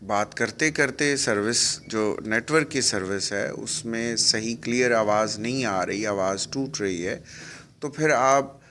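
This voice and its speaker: A man with a South Asian accent teaching spoken English, explaining and repeating example phrases slowly and deliberately. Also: fairly low pitch, fairly bright tone, a little hiss or hum.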